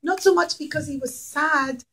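A middle-aged woman telling a story to young children in a classroom, explaining simply and deliberately. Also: sits high, fairly bright tone. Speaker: children's teacher telling a Bible story with puppets. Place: small classroom, indoors.

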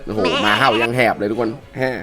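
A man with a worn-out, hoarse voice hosting a casual game skin review, chatting along and pushing his voice lower than usual. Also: steady tone, fast talker. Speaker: mobile game channel host.

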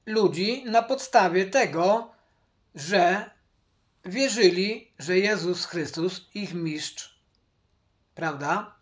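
A man teaching from the Bible, speaking deliberately, repeating his key points and addressing viewers directly. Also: sits high. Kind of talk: Bible study commentary.

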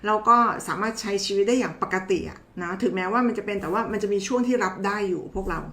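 A woman's voice: medium pitch, fast talker, fairly bright tone. A woman doctor explains health matters in a loose, chatty way and addresses her viewers familiarly. Her voice sits in a middle register. The recording carries a roomy echo. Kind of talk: casual health explainer talk.

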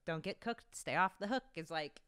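A young adult woman co-hosting a podcast at home, talking in a rambling, animated way full of fillers, close to a desk mic. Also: lowish voice, normal speed, clear, resonant tone. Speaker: podcast co-host. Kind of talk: casual chat. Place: home studio room with bookshelves. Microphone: desk broadcast mic on boom arm.

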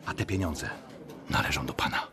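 A man's voice: extremely low pitch, moderate pace, noisy background. A man playing a blunt, pushy businessman in a radio drama, with a businesslike manner. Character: brisk, pushy businessman striking advertising deals.

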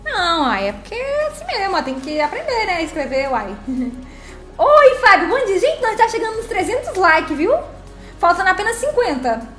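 A woman's voice: very high-pitched, big pitch swings, normal speed, fairly bright tone. A woman chatting casually on a live stream, reading the chat and teasing her viewers in a playful, chatty way. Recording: echoey room, faint music behind.

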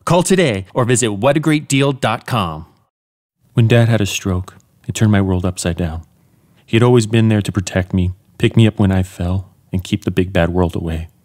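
A young adult man reading scripted commercial and narration copy as a voice actor, polished and clearly enunciated, close on a studio microphone. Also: lowish voice, normal speed, darkish tone. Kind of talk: scripted commercial and narration voice-over demo reel. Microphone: studio condenser microphone, close.

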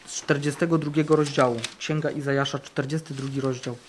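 A male camp preacher in full sermon mode, his fairly high voice rising for bold declarations and dropping for quiet, earnest passages. He drives points home by repeating key phrases. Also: level tone, a little fast, background noise. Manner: fervent, repeats phrases for emphasis, swings between loud and hushed. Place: camp meeting.

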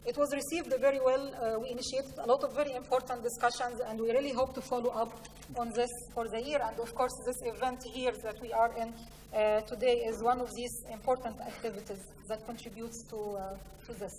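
An Egyptian-accented woman gives a slide presentation at a conference. Her voice sits a little high, and she proceeds haltingly, pausing and repeating words. The sound is reverberant, as from a big hall, with faint noise behind her. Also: little pitch movement, a little mellow. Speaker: conference speaker, science programme representative. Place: large conference hall, indoors. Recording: echoey hall, distant mic, faint noise.

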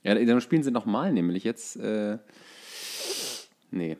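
A man's voice: fairly low pitch, lively intonation, unhurried, warm tone. A man chatting casually about football as a podcast co-host, often searching for his words.

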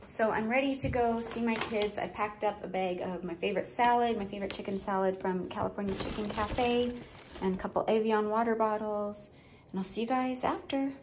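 A woman in her thirties with a raspy voice, chatting casually to camera in a week-in-the-life vlog, filled with "like" and "um". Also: mid-range voice, brisk, noisy background. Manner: chatty, relaxed, frequent "like" and "um". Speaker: vlogger. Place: home rooms and outdoors at a cemetery.

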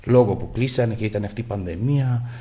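A man from Greece giving casual, boastful commentary on slot machine spins, swearing freely and shouting at the reels. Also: fairly low pitch, a little hiss or hum.

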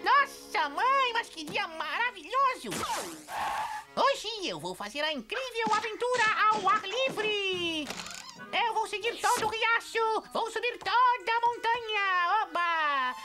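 An actor voicing an excitable, easily irritated woodpecker in a dubbed cartoon, exclaiming theatrically. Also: very high-pitched, slow pace, music in the background, full character voice. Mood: excited.

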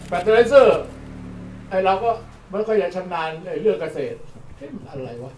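An older man lectures at a farm workshop with a slightly high voice. He speaks plainly and repeats key words to drive them home. The recording is roomy and distant, with faint noise behind him. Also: warm tone. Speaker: lecturer on charcoal. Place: outdoor training session at a farm. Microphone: distant mic.

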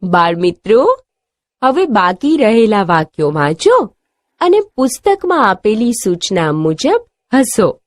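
Slow, lively woman teacher reading to children. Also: medium pitch, dry recording, studio quality. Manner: slow, animated storytelling for young children. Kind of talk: storytelling lesson for children.

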